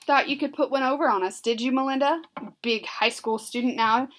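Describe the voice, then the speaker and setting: A woman's voice: high voice, fairly quick, a bit bright. Woman doing a creepily sweet, controlling mother. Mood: sweetly menacing.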